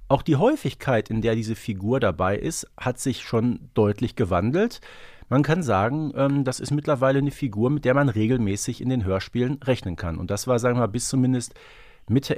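A man's voice: medium pitch, darkish tone, no room sound. Man chatting in a dry recording. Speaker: podcast host. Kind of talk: conversational fan discussion.

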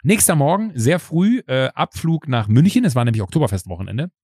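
Animated man telling a story. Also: mid-range voice, brisk, slightly rough, no echo, clean studio sound. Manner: animated, acts out quoted dialogue, frequent fillers. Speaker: podcast host. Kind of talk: casual storytelling.

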